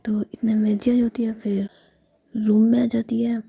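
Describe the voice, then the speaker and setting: A woman narrating a story in a steady whisper. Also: fairly high pitch, normal speed, vocal fry, breathy edge.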